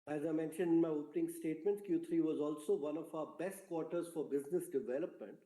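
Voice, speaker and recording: A man with a fairly high, mellow voice delivers a prepared corporate presentation in a roomy, echoing space. His tone is soft-edged and relaxed, and his delivery is measured and formal, like an executive briefing investors on a conference call. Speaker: company executive.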